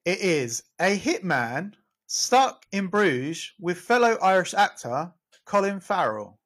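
A man's voice: sits high, sing-song, slow pace, fairly bright tone. A man, co-hosting a podcast and running a quiz in an upbeat, chatty way that breaks easily into laughter. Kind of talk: casual chat.

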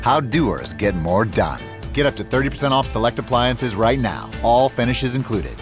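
A music bed plays under a male commercial announcer. He reads scripted sale copy with lively, varied pitch, in a retail advertising style. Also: moderate pace.

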